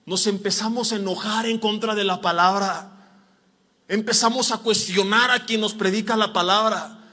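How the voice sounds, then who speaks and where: A male pastor with a Mexican Spanish accent preaches in a high, bright, ringing voice. He is animated, slipping into mocking impressions of the people he describes. His voice carries a long hall reverb. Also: normal speed. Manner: animated, mimics voices of tempters and complainers. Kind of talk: sermon.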